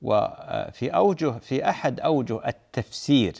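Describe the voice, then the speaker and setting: Man, gravelly voice, religious Q&A answers, explanatory. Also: mid-range voice, animated, moderate pace, a little mellow. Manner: explanatory, repeats key points for emphasis. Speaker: sheikh answering listeners' religious questions.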